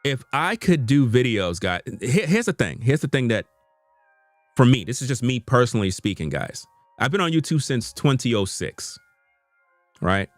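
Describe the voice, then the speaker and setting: A man with a medium-pitched voice that swings widely in pitch talks at a moderate pace to viewers of his unscripted live stream. He's a YouTube content creator at his computer in a room at home, earnest and repetitive with informal slang. The recording is dry, with soft music playing behind him.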